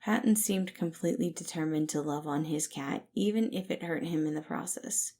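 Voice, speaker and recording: Lower-pitched woman narrating a story. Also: moderate pace, dark tone.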